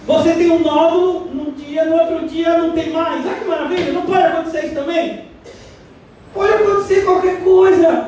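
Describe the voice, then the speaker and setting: A man with a Brazilian Portuguese accent preaching a lively, conversational sermon as a pastor, often mimicking other voices. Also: extremely high pitch, a little hiss or hum. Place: church hall. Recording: distant, very echoey church hall.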